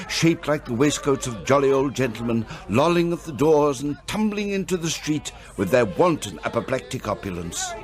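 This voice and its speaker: A man's voice: mid-range voice, natural voice. A man narrating a radio drama as a theatrical storyteller, relishing each descriptive phrase.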